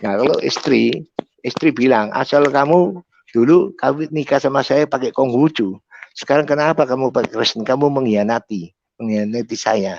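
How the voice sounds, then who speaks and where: At a moderate pace, a man talks with an East Javanese accent. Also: medium pitch for a man, ordinary pitch variation. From East Java, Surabaya. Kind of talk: testimony.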